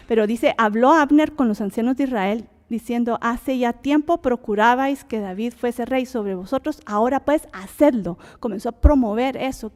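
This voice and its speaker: Woman teaching Bible study, high voice, reverberant. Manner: conversational, many fillers and restarts, rising emphatic exclamations. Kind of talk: informal Bible study lesson.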